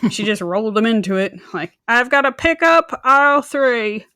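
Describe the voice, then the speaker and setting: A woman's voice: fairly high pitch, lively intonation, normal speed, sharp tone, clean tone, no room sound. A woman co-hosting a true crime podcast, telling a story in a casual, colloquial way with joking asides. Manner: informal, colloquial, joking asides and mimicked quotes.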